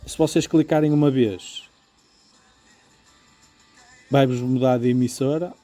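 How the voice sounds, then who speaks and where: A man's voice: mid-range voice, fairly even intonation, a little slow, mellow, soft background music. A man with a European Portuguese accent giving a casual, informal hands-on product review, explaining things step by step. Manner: informal, explanatory, often checking with "ok?". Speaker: motorcycle gear reviewer.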